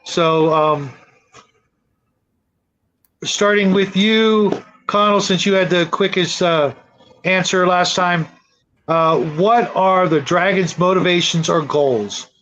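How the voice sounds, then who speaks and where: A man hosting a casual panel discussion about tabletop gaming, talking in a halting, rambling way and repeating words as he goes. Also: sits high, fairly bright tone, rough recording.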